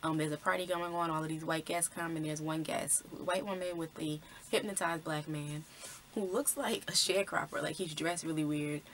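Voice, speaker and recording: A woman vlogger talks through a film's symbolism in a loose, conversational way, full of ums and likes. Her voice is low-pitched. A faint noise runs behind her. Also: steady tone, moderate pace, fairly bright tone. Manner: conversational, many fillers like "um" and "like". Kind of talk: casual film commentary.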